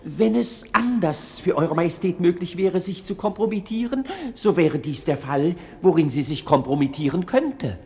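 Animated, officious, servile courtier. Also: male voice, sits high, moderate pace, few pauses, a little hiss or hum. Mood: servile, formal. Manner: formal, stiff, stammering when cornered. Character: officious, servile, bumbling court council president. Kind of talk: theatrical German radio play acting.

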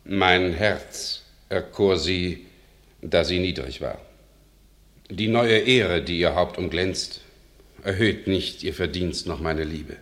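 Deep-voiced, earnest knight. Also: male voice, slow pace, fairly bright tone. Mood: ardent, solemn. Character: proud, chivalrous knight, devoted suitor. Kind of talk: classical German radio drama verse acting.

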